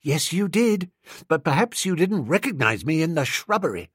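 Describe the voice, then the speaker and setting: A man's voice: fairly high pitch, big pitch swings, normal speed, fairly bright tone, breathy edge, dry recording, clean studio sound, exaggerated voice. A man doing a cheeky young chap. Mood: teasing. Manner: breezy, teasing. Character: cheeky young man, teasing old friend.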